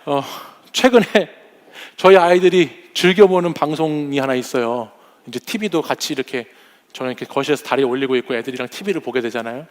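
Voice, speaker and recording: A man's voice: mid-range voice, a little fast. A pastor in his forties preaching a sermon, telling humorous family stories and acting out his kids' voices. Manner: warm storytelling with humorous anecdotes; acts out family members' voices.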